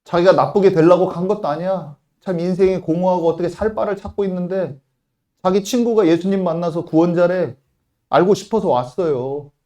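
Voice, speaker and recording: A man preaching a sermon as pastor, emphatic, with sudden loud quoted lines and soft asides. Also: high-pitched, fairly quick.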